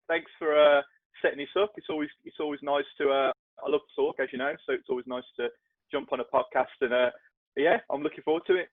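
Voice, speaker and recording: A man's voice: on the high side, no room sound. A man with a Black Country accent, a podcast guest talking in a chatty, self-deprecating way with lots of restarts. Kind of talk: casual podcast chat. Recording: tinny, dry phone-like line.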